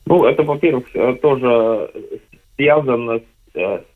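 Halting man over a tinny phone line. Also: mid-range voice, animated. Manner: halting, many fillers and restarts. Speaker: deposit system operator representative. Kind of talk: hesitant explanatory talk on radio.

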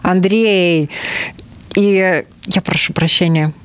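A woman's voice: fairly low pitch, fairly even intonation, takes it slowly, clear, resonant tone, no echo. A woman hosting an interview in a conversational way. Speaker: interview host.

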